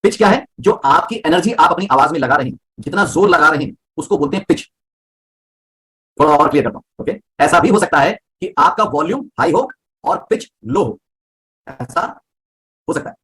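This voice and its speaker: A man teaching a live voice class, explaining breathing, volume and pitch with everyday examples and often checking whether students follow. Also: animated, moderate pace, fairly bright tone. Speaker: voice coach.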